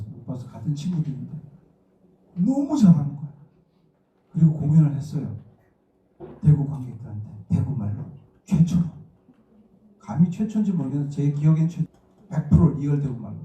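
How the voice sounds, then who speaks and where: Lively man lecturing in an echoey hall. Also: on the high side, far from the mic. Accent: Daegu. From rural area near Daegu, South Korea. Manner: animated storytelling, acting out quotes. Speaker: guest speaker, actor. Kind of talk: lecture to students. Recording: echoey hall recorded from afar, muffled.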